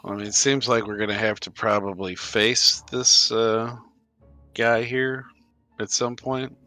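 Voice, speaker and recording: Lowish, bright-voiced male gamer. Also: level tone, a little slow, faint music behind. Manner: hesitant, rambling. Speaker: tabletop game player. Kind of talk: casual chat.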